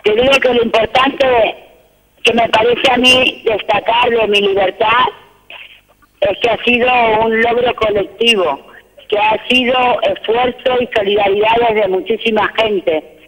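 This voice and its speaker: A woman speaking calmly as a guest over a choppy phone line that keeps breaking up, talking in measured phrases with restarts. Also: a little high, big-room sound. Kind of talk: live phone interview.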